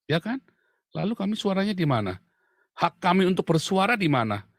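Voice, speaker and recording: Ranting, shouting man. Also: high voice, big pitch swings, brisk, no room sound, clean studio sound. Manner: shouting, insulting, emphatic repetition. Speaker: online commentator. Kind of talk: angry political rant.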